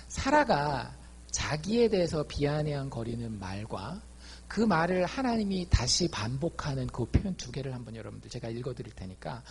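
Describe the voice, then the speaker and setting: A man preaching a sermon as a pastor, lively, acting out quoted dialogue in his talk. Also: fairly high pitch, slight background noise. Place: church.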